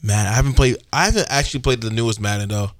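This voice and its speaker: A man's voice: on the low side, very fast, dry recording. A man chatting casually as an interviewer, with slangy bro talk and repeated phrases. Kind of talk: casual chat.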